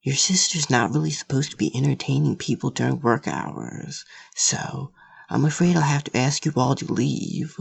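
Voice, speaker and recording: A woman playing a gruff office co-worker in an audio drama. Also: extremely low pitch, moderate pace, full character voice. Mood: dry, officious.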